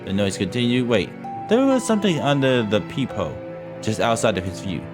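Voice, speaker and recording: A man's voice: lowish voice, very animated, a little fast. A man reading a ghost story aloud from a visual novel as a streamer, dramatic but breaking into casual, profane asides and stumbling over the text. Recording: loud music behind voice. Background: game music.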